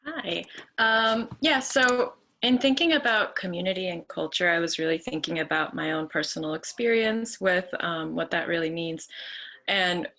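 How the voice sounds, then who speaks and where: Young woman artist, bright voice, relaxed video-call presenter who pauses and fills often. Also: lowish voice. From New York (Queens). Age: young adult. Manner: casual, many fillers and soft trailing asides. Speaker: artist presenting her work. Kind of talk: online artist talk. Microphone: computer mic on a video call.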